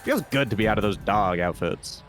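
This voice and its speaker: A man's voice: lowish voice, animated, fairly quick, soft background music, voice pushed down, close to an everyday voice. A man voicing goofy, officious game policemen with artistic pretensions, in a mock-authoritative theatrical manner.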